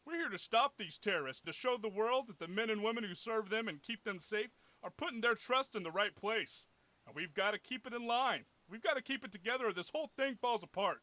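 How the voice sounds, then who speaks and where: Stern cartoon veteran soldier: raised pitch, forceful tone, preachy old-fashioned discipline. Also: male voice, expressive, a little fast, dry recording, poor audio. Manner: commanding, old-fashioned, lecturing. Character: stern old-timer male drill-sergeant soldier, preachy and fatherly. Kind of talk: animated comedy military bark.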